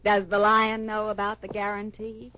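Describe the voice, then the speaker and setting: An actress playing a young, breezy, wry Hollywood star in a 1950s radio Western. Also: female voice, medium pitch, completely flat delivery, normal speed, bright, forceful tone, close to an everyday voice. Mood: amused, teasing. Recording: dull lo-fi old radio recording.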